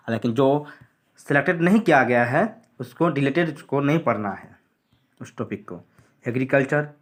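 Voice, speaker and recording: A man going through a school syllabus on screen, repeating what to study and what to skip in a plain explanatory way. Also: mid-range voice. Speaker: teacher.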